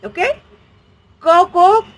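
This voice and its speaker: A woman's voice: very high-pitched, extremely slow, rough recording. A woman teaching a grammar lesson, patient and explanatory, asking questions and answering them herself.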